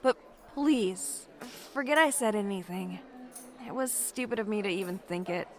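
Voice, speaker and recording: A woman's voice: mid-range voice, lively intonation, moderate pace, natural voice. A woman playing an anxious, self-doubting young woman confiding in a friend in an audio drama. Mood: sheepish.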